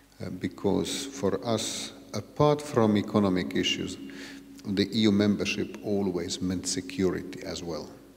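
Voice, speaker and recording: Through noticeable background noise and audible room echo, a man talks at a fairly low pitch and a fairly slow pace with ordinary pitch variation. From Estonia. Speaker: ambassador. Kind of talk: lecture. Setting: university hall with audience. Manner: halting.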